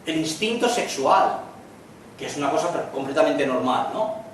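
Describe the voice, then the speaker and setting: Spanish-accented male lecturer, joking and chatty, voice a little high, recorded from far off in an echoey room. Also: animated, slight background noise. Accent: Spanish (Spain). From Spain. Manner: chatty, tells jokes with quick acted lines. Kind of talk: lecture with jokes.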